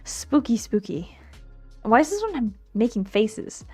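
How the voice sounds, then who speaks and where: A woman's voice: on the high side, big pitch swings, unhurried, a little mellow, slightly rough. A woman streamer with a playful manner, giving casual commentary and reading game text aloud as she plays. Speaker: streamer playing and reading aloud a visual novel. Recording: music behind the voice. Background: game music.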